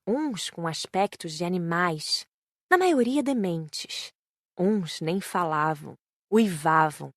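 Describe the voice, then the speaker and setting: A Brazilian-accented woman reading scripted audiobook narration in measured, clearly phrased sentences. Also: lowish voice, no room sound, studio quality.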